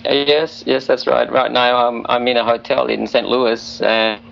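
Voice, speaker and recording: Man, gravelly flat voice, earnest and hesitant, airline pilot guest, dull remote audio with faint hiss. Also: mid-range voice, unhurried. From Australia. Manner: earnest, hesitant with frequent fillers. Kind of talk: conversational interview answers. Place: hotel room.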